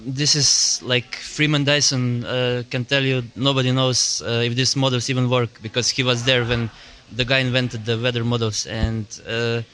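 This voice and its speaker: A man's voice: medium pitch, flat delivery, normal speed, few pauses, sharp tone. A man in a roundtable discussion, speaking hesitantly with many fillers. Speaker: roundtable participant.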